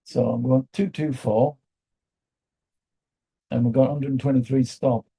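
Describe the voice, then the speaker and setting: Croaky British man, dark husky voice. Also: mid-range voice, fairly even intonation. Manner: thinking aloud, halting with fillers. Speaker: day trading host. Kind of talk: live trading commentary.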